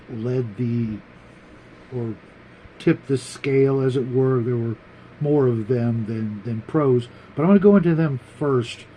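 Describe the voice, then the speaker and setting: Mellow-voiced man, halting casual host. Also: medium pitch, a little hiss or hum, poor audio. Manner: halting, thinking aloud, repeats words. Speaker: host of a tabletop gaming show. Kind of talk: casual, rambling opinion talk to viewers.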